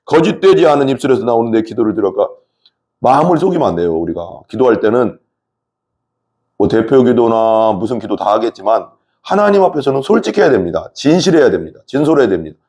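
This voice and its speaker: Mellow-voiced Korean pastor talking through scripture. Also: male voice, mid-range voice, big pitch swings, fast. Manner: conversational, asks the listeners questions, frequent fillers. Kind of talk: Bible study sermon.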